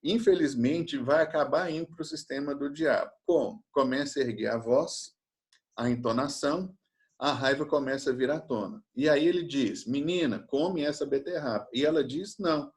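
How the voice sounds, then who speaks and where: A man's voice: medium pitch, moderate pace, a little mellow. A man, teaching a Christian mentoring session for fathers and acting out the lines of the people in his stories. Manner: tells stories and acts out quoted lines.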